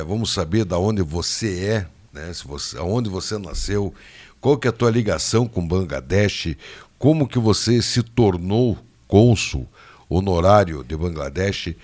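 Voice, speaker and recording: A man hosting a radio interview in a studio, chatty and quick to jump in with questions. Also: low-pitched, lively intonation, a little mellow. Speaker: radio host.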